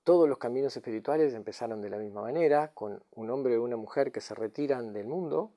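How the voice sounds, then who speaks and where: Man, spiritual teacher, mid-range pitch, relaxed dark tone, reflective teaching talk. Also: fast. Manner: tags lines with questioning "mm?" and "no?" to check understanding.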